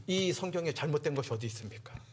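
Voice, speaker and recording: A man's voice: a little high, animated, fast talker, a little hiss or hum. Dramatic youth preacher, man. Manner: dramatic, acts out mocking classmates, swings between hushed and loud. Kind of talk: sermon to teenagers.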